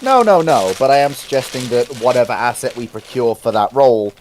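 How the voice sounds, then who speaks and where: A man's voice: mid-range voice, animated, brisk, a little hiss or hum. A man in a live debate on military procurement, earnestly building his argument step by step.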